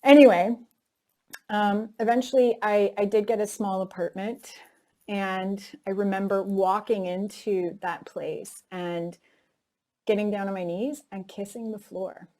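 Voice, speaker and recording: A woman's voice: mid-range voice, fairly even intonation, unhurried, warm tone. A woman in an interview, telling her own story candidly and reflectively, often dropping in "like" and "you know". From North America. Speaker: actress interviewee.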